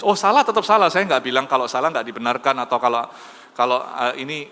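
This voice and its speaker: A man preaching a sermon as pastor in a conversational, animated storytelling manner. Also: medium pitch, fast talker. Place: church. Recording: reverberant church hall with soft music.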